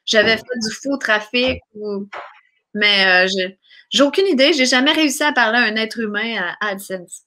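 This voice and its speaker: Casual interview guest: woman, Quebec French accent, high and very bright voice, chatty and effusive. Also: normal speed. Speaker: guest, singer and YouTube creator. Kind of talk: casual chat.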